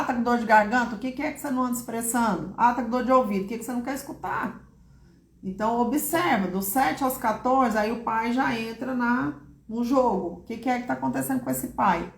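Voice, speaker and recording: A woman speaking warmly and reassuringly, talking straight to her viewers and sometimes acting out quoted lines. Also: normal speed, roomy sound. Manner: warm, reassuring, speaks directly to viewers by name; acts out short quoted lines in a higher voice. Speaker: therapist answering viewers' questions. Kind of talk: live online talk.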